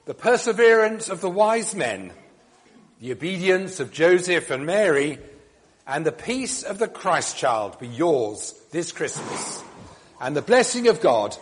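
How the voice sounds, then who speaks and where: A man with a fairly high voice leads a church service. He talks slowly and carefully, pausing with ums, and each phrase rings out in a long cathedral-like reverb. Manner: measured, with frequent ums and uhs. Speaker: minister leading a church service. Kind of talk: sermon reflection and blessing.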